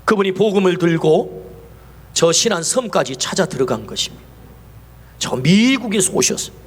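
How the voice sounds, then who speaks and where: A man preaching a sermon as pastor, asking the congregation questions and moving between quiet and raised passages. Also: high voice, big pitch swings, normal speed, breathy edge. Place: church sanctuary. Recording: church sanctuary with long reverb.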